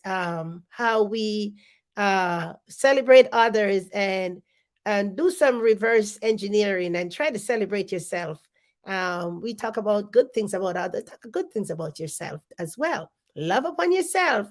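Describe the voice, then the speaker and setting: A middle-aged woman hosting an encouraging self-help talk, sounding stuffy and congested, with many ums and repeated phrases. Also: on the high side. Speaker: host. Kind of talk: motivational live-stream talk.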